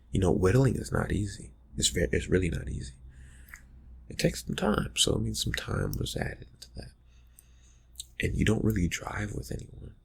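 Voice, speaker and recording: A man playing a calmly threatening vampire confronting a friend in a soft-spoken, halting ASMR roleplay, with a husky, gravelly voice. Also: heavily acted. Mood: accusing. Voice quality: low, husky, gravelly, often breathy. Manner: hesitant, halting, quietly insinuating.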